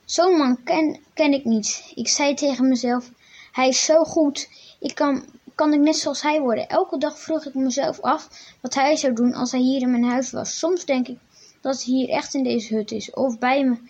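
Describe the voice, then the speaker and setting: A woman reading the lines of a gentle, humble and devout man in a storybook reading, speaking politely and with soft wonder, on a dull, lo-fi recording. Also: sits high, steady tone, moderate pace, husky.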